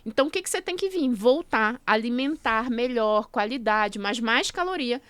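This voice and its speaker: A woman's voice: fairly high pitch, animated, moderate pace, a bit bright, smooth, no echo. A woman speaking as a podcast guest, explaining her method one step at a time in a casual interview. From Brazil. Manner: explanatory, walks through steps one by one. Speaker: guest, nutrition coach.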